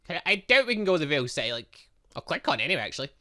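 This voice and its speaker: Bright-voiced, animated male let's player. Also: a little high, rapid-fire. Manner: chatty, reacts aloud between read lines. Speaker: gaming channel host. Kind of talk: let's play commentary, reading visual novel dialogue aloud.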